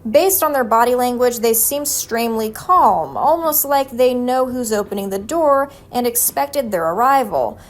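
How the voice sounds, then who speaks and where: A woman's voice: on the high side, animated, normal speed, few pauses. A young woman hosting a horror video essay, mixing scripted narration with jokey, slangy, theatrical asides.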